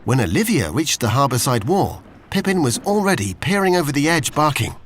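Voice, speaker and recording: A man's voice: a little high, sing-song, brisk, slight background noise. A man with a British accent reading a scripted children's story, expressively, as a storyteller to young children.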